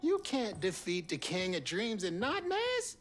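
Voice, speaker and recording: A man's voice: sits high, huge pitch swings, unhurried, a bit bright, soft background music, exaggerated voice. An actor playing a mysterious, sly male guide in a video game, with a drawling, knowing delivery that slips into whispers.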